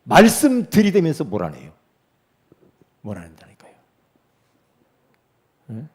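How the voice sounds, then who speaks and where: A middle-aged man preaching a sermon as pastor, emphatic, asking rhetorical questions and swinging between loud declarations and soft asides. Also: a little high, huge pitch swings, measured pace, slightly rough.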